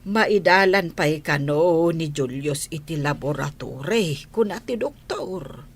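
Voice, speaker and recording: A woman voicing a gentle older mother who speaks slowly and softly in an audio drama. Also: deep voice, animated, husky, exaggerated voice. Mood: calm.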